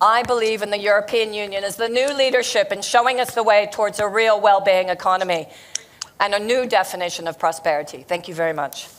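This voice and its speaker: Very fast and at medium pitch, a woman talks with ordinary pitch variation amid noticeable background noise. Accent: American. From California. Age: 50s. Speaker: think tank leader. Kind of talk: conference speech.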